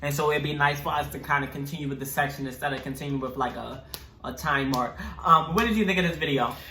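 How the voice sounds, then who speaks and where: The man races along at a very fast pace, with audible room echo and noticeable background noise around him. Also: fairly high pitch for a man, ordinary pitch variation. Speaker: YouTube reaction host. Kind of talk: casual chat.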